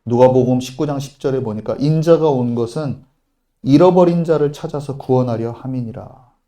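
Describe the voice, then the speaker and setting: A man preaching a sermon as pastor, emphatic, with sudden loud quoted lines and soft asides. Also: medium pitch, normal speed.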